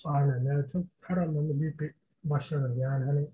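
A man's voice: fairly high pitch, steady tone, fast talker, narrow, tinny audio. A man co-hosting a casual discussion, speaking self-admittedly poor Turkish, often searching for words and slipping in English terms. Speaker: podcast co-host. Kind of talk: casual wrestling history discussion.

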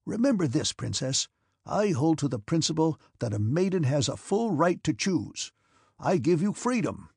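A man reading the part of an irascible old prince who is a domineering father, with a sharp, scornful, shouting manner. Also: fairly high pitch, big pitch swings, moderate pace, gravelly, husky, no room sound, studio quality, voice pushed up, heavily acted. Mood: angry shouting. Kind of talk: audiobook character reading.

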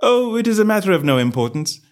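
A man voicing a shrewd gentleman detective in a story reading, self-assured and genteel with a careless, goading manner. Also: sits high, sing-song, fast talker, pitched above the performer's own voice.

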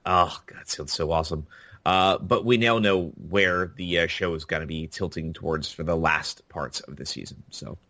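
A man's voice: low-pitched, normal speed, sharp tone, dry recording. A man co-hosting a podcast, chatting casually and enthusiastically about TV episodes, with lots of fillers. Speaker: podcast co-host. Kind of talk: casual TV review chat.

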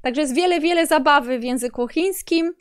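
Chatty high-voiced woman interviewer. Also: fairly quick. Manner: chatty, laughs often. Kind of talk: casual interview talk.

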